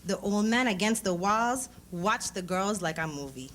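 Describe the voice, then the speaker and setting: A woman reading a story aloud at a live event, in measured, expressive phrases. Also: mid-range voice, a little hiss or hum. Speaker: author reading a short story at a public event. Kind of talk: dramatic literary reading of narrative prose with acted dialogue. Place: live lecture event before an audience.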